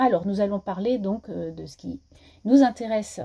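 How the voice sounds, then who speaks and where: A woman's somewhat breathy, medium-pitched voice with a dark, mellow tone and ordinary pitch variation. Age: 50s. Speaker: book vlogger. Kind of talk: casual chat. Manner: hesitant, many fillers.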